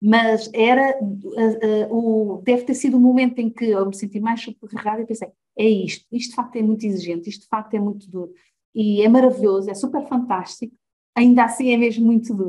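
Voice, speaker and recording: Speaking fairly quickly in a European Portuguese accent, a woman has a fairly high pitch, a dark, mellow tone, a somewhat breathy quality and fairly even intonation. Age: 40s. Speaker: podcast host on separation and parenting. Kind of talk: casual chat.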